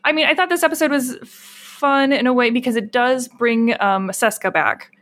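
A woman co-hosting a casual show, chatting about TV episodes in a relaxed, conversational way. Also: fairly high pitch, moderate pace. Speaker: podcast co-host. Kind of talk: casual chat reviewing TV episodes.

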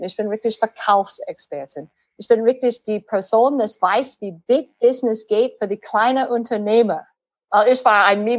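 A woman's voice: mid-range voice, dry recording. A woman in her late forties with an American accent in German, a native English speaker talking conversationally as an interview guest, with learner's grammar and switches into English phrases. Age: late 40s. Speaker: guest, sales and positioning coach.

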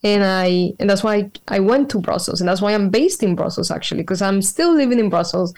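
Lady in her 30s, medium voice, talks it thru slow with lots of ums, video call. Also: medium pitch, darkish tone. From Colombia. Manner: thoughtful, earnest, pauses with fillers. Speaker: guest, spiritual practitioner. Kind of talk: casual interview storytelling. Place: home room with a cat.

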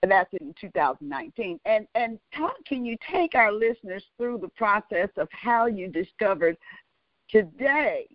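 A woman's voice: medium pitch, very animated, normal speed, dry recording, lo-fi sound. A woman hosting a talk radio interview, asking long flowing questions and giving frequent affirming murmurs. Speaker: host.

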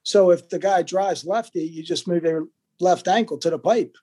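Older guy rambling through old goalie stories, voice sits a bit high. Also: normal speed, mellow, husky. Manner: rambling, with many restarts and fillers. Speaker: interview guest, former goalkeeper. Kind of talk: casual storytelling interview.

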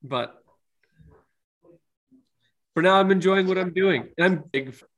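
A man's voice: high-pitched, measured pace, a bit bright. Man on a glitchy, cutting-out call. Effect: glitchy audio cutting out over a weak internet connection. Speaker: podcast co-host and builder. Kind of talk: casual interview chat.

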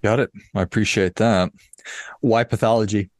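A man's voice: lowish voice, steady tone, normal speed, a little mellow, no room sound, clean studio sound. A man hosting an interview podcast, introducing his guest and asking short, friendly questions. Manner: friendly, brief prompting questions. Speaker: podcast host.

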